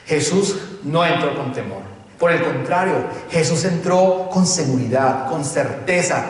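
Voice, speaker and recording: A man's voice: a little high, lively intonation, a little slow. A man preaching a sermon, driving his points home with emphatic rhetorical questions. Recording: distant mic, echoey hall.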